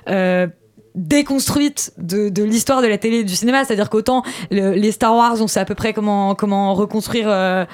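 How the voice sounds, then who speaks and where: Woman, panel host; halting, restarts a lot, mid pitch. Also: a little mellow. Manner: hesitant, restarts often, leads the questions. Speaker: radio show host. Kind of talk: casual panel chat.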